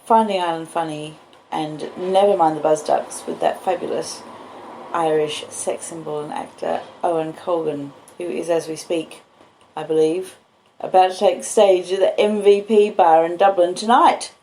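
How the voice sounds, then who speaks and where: Recorded with laptop and phone mics on basic home equipment, the audio has roomy echo and slight background noise. An Australian woman who podcasts and reads audiobooks chats in a relaxed live way and reads literary storybooks, unhurried and cosy. Her voice is on the low side and warm, with fairly even intonation.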